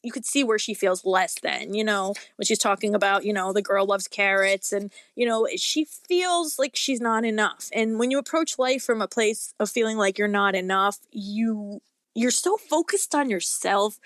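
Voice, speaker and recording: A woman's voice: medium pitch, moderate pace, fairly bright tone, dry recording, studio quality. A woman talking in a casual interview as a guest author, earnest and rambling, peppering her speech with little filler phrases. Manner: talkative, rambling, earnest, often says "you know" and "like".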